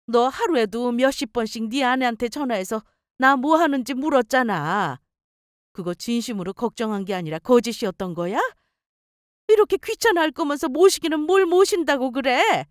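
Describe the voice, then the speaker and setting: A woman's voice: on the high side, no echo, studio quality, lightly acted. A woman voicing a scolding older mother who guilt-trips her son, nagging and reproachful.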